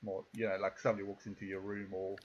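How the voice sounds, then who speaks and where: A man with a South African accent narrating a tabletop game as game master in a relaxed, loose way with many fillers. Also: lowish voice, quick pace, dull audio, slight background noise.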